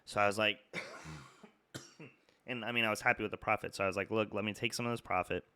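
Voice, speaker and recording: A man's voice: lowish voice, fairly even intonation, brisk, bright, forceful tone, clean tone. A young man with a stuffy, congested nose from a cold, casually talking through stock charts with lots of fillers and restarts. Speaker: market analysis YouTuber. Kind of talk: casual trading chart talk.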